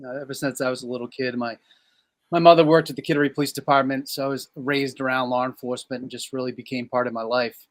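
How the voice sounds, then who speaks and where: A man's voice: medium pitch, steady tone, fast, no room sound. Plain-spoken man in his fifties. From Maine, US. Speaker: police chief and congressional candidate. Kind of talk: interview guest.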